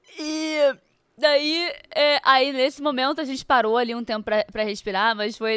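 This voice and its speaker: In a very clean recording with a silent background, a woman speaks at a moderate pace in a high voice with lively intonation. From Rio de Janeiro, Brazil. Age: 20s. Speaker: influencer and backpacker. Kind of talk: casual interview chat.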